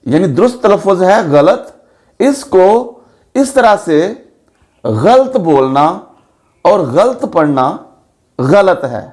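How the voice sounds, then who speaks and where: A man gives an Urdu pronunciation lesson in a slow, careful cadence. His voice sits a little high for a man, and he names each vowel mark as he goes. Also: expressive, a little mellow. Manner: slow, deliberate, spells out vowel marks. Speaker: Urdu language teacher.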